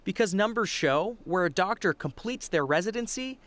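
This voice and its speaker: A man narrating a news voice-over in a scripted, even delivery. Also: high-pitched, moderate pace. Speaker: news reporter.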